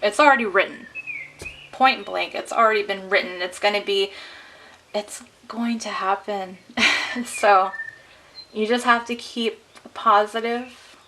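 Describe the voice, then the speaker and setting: A woman's voice: medium pitch, measured pace, pauses often, bright, forceful tone, a little hiss or hum, rough recording. A woman giving a casual tarot card reading to camera, chatty and encouraging, laughing often, her voice a little worn. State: losing her voice. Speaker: tarot reader.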